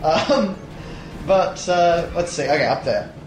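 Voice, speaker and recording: Hoarse young man narrating gameplay. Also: a little high, animated, takes it slowly, reverberant, a little hiss or hum, rough recording. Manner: rambling, many fillers and restarts. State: hoarse, tired voice. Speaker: let's play host. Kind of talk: casual gameplay commentary. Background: game music.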